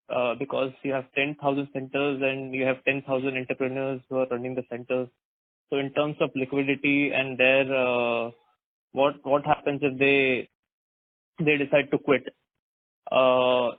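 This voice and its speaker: A man's voice: medium pitch, level tone, normal speed, no echo. A man, an analyst asking questions on a conference call. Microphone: phone call. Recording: dry, narrow phone line.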